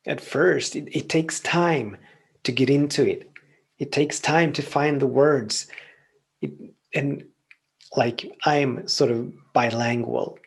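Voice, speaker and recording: Speaking slowly with vocal fry and a breathy edge, a podcast host whose native language is Swedish offers a calm, reflective spiritual teaching in a mid-range voice. He tends to repeat phrases in long lists.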